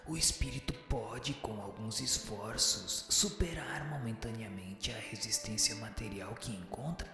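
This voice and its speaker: In a scripted radio drama reading, an actor voices a solemn, learned spirit, breathy and medium-pitched, giving formal, measured, didactic answers. The sound is drenched in heavy echo and long cavernous reverb, with music in the background.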